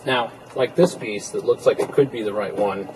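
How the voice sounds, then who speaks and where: A man in a casual how-to video, talking in a relaxed, explanatory way while he works with his hands inside a car. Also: lowish voice, normal speed, background noise. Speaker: car interior DIY reviewer.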